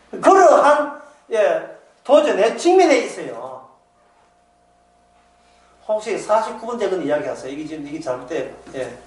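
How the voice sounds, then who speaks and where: A male preacher with a Gyeongsang Korean accent delivers a sermon in a lively, swooping voice, asking rhetorical questions and dropping into dialect. He sounds set back from the mic in a roomy, echoing hall. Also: high voice, distant mic. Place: church hall.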